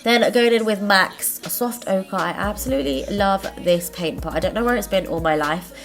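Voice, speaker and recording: A woman's voice: mid-range voice, normal speed, soft background music. Stuffy-nosed woman chatting through steps. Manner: chatty, friendly, self-correcting. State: congested, stuffy-nosed from a cold. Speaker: makeup tutorial host. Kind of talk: casual step-by-step tutorial narration.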